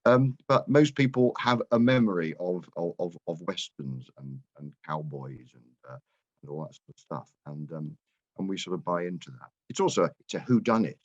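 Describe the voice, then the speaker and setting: A man's voice: sits low, animated, normal speed, dry recording. An older man chatting casually and explaining in a hesitant, searching, repetitive way over muffled call audio.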